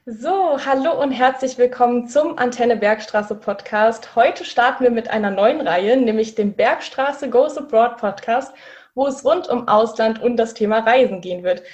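A woman of twenty co-hosting a podcast in relaxed casual chat, with frequent fillers. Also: fairly high pitch, normal speed, dull audio. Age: 20s. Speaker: podcast co-host.

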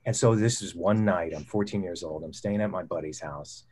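A man's voice: low-pitched, moderate pace, darkish tone, slightly rough. A middle-aged man, a filmmaker guest, earnestly recounting a personal experience in casual conversation, often restarting his sentences. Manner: earnest, reflective, frequent restarts. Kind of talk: casual storytelling.

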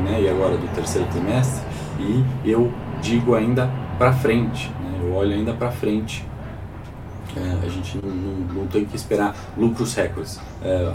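A Brazilian man hosting a live financial morning call, talking informally, his voice congested and sore from a cold, as if his tonsils were swollen. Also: on the low side. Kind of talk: informal live market commentary with audience questions. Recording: distant mic with faint background noise.

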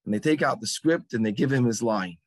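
A man from England with an English accent, speaking at a religious gathering and telling a story with dramatic pauses. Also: medium pitch, no room sound. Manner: animated storyteller, acts out lines with dramatic pauses.

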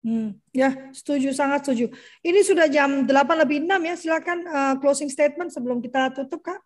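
A woman's voice: high voice, brisk. A woman hosting a talk-show discussion, asking probing questions and closing with short summaries. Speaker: host.

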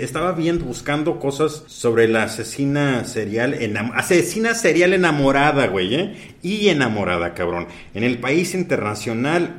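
A man with a Mexican accent hosting a podcast in casual chat, full of crude slang and swearing fillers. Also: mid-range voice. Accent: Mexican Spanish. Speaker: podcast host.

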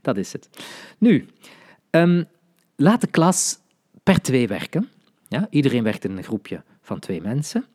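A man's voice: medium pitch, sing-song, unhurried, pauses often, darkish tone. A middle-aged man gives a podcast lesson for language teachers, explaining step by step with many fillers and tag questions.

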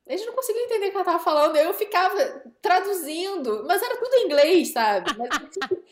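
A woman in her thirties telling travel stories as a guest in a casual chat, animated and laughing often. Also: very high-pitched, fast, reverberant, slight background noise. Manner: animated storytelling, laughs often, quotes people.

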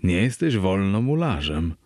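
Man playing a deep-voiced, slow, tipsy wine snob in an audiobook, careless and slurred. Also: sing-song, a little mellow, no echo, clean studio sound. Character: tipsy boastful male wine connoisseur, coughing.

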